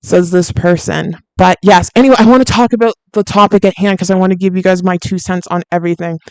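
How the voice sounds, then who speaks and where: A woman with a deep, soothing voice hosts a fitness livestream in a chatty, candid way, with plenty of fillers and easy laughs. Her tone is smooth and clean, recorded close and dry with no room sound. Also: fairly even intonation, fast, a little mellow, no echo, low-quality recording. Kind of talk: casual livestream chat reading viewer comments.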